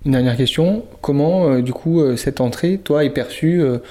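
Man with a dark, mellow voice asking questions. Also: a little high, normal speed. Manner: informal, gently probing. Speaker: interviewer. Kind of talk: casual interview questions.

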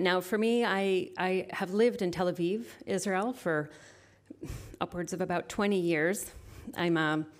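A woman speaking as a poet at a live reading, with measured, deliberate phrasing into an event microphone. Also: lowish voice. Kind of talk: live poetry reading with informal introduction. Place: live literary event before an audience.

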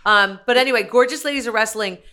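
A woman's voice: fairly high pitch, quick pace, sharp tone. A middle-aged woman co-hosting a casual podcast chat, chatty and teasing, in a small studio room with an echo off the ceiling. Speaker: podcast co-host. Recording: echoey room bouncing off the ceiling.

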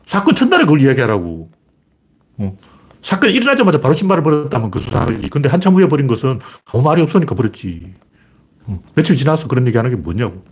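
A man delivers a casual monologue of commentary in a husky, slightly rough voice. He talks fast and bluntly. His pitch jumps around a lot as he fires rhetorical questions. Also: big pitch swings. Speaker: political commentator.

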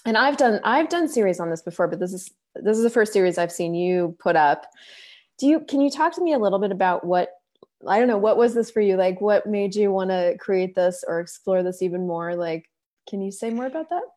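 A woman's voice: mid-range voice, lively intonation, brisk, a little mellow. A woman hosting a casual video-call chat, talking in a scattered way, often breaking off and restarting, with casual swearing. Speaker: podcast host and facilitator.

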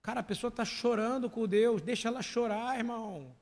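A man's voice: very high-pitched, fairly even intonation, brisk. A man preaching a sermon as pastor, emphatic and full of questions to the congregation. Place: church hall. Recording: long hall reverb.

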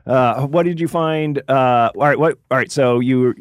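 A man hosting a podcast, asking quick questions and laughing a lot in casual chat. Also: mid-range voice, clean tone, no room sound. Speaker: podcast host.

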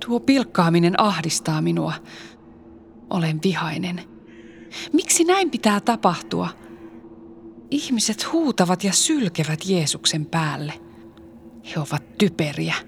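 A woman playing a grieving follower with a gravelly voice. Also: lowish voice, big pitch swings, pauses often, slight background noise. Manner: anguished, often whispering. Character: grieving female follower of Jesus, fearful.

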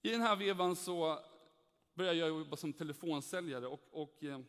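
A man's voice: fairly high pitch, fairly bright tone, clear, resonant tone. A young man giving an earnest personal faith testimony, telling his story animatedly and acting out the dialogue. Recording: echoey hall reverb.

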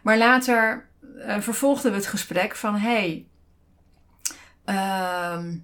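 A woman's voice: mid-range voice, slow pace, a bit bright. A woman co-hosting a casual podcast from a desk beside her partner, telling a story with many fillers and restarts. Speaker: podcast co-host.

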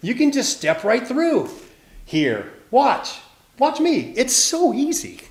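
A man's voice: very high-pitched, wildly swooping pitch, takes it slowly, voice pushed up, exaggerated voice. A man voicing a cocky, breezy female shrimp with a casual manner, in a children's storybook. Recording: roomy, echoing space.

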